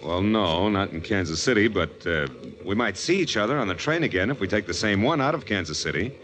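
An American actor playing a smooth-talking, casual, evasive adventurer in a 1940s radio crime drama. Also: male voice, on the low side, expressive, fairly quick, fairly bright tone. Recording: noisy vintage radio drama recording.

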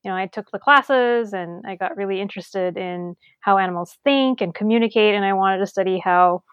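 A chatty woman from Sri Lanka talks as a guest scientist, full of fillers and restarts. Her voice sits at an ordinary pitch, and the recording is dry and a bit dull. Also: a little fast, clean tone, no room sound. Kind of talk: casual interview talk.

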